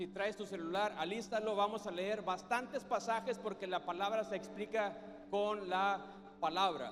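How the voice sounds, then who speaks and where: A man speaks in a high voice. His intonation stays fairly even. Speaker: preacher. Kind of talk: sermon. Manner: halting.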